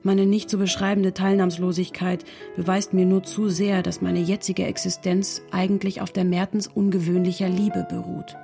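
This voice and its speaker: A woman's voice: on the low side, little pitch movement, moderate pace, vocal fry, few pauses, mellow, soft background music. A woman playing a melancholy nineteenth-century woman reading out her letter to a confidante in a dramatic reading. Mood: despondent.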